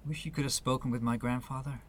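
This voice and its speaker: A man's voice: mid-range voice, steady tone, fast, slight background noise, close to an everyday voice. An actor in a radio play playing an earnest, patient but exasperated Jewish man from Brooklyn. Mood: weary, reflective.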